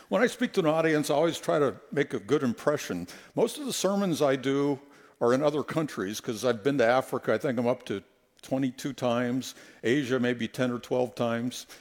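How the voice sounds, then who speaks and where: A middle-aged man preaching a sermon in a church on a headset mic, telling stories and acting out quotes in an animated way. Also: medium pitch. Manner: animated, storytelling, acts out quotes. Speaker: guest preacher. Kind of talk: sermon with humorous anecdotes. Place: church sanctuary.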